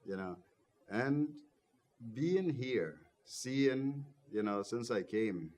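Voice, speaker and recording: A man's voice: mid-range voice, animated, very slow, darkish tone. A young man born in Guyana, a political party coordinator, speaking earnestly as a TV guest and saying "you know" often. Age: young adult. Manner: earnest, repeats "you know", grows passionate. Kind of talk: interview answers.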